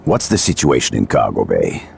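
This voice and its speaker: An actor playing a cold, ruthless male mercenary commander in a video game, speaking in a clipped, menacing way with a gravelly voice. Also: a bass voice, huge pitch swings, moderate pace, slight background noise, full character voice. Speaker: hired mercenary.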